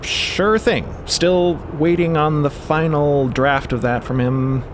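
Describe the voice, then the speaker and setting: A man's voice: a little high, fairly even intonation, slow pace, pitched above the performer's own voice. A man playing a friendly, eager journalist in an audio drama, upbeat and obliging, with noise behind. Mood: bright, friendly.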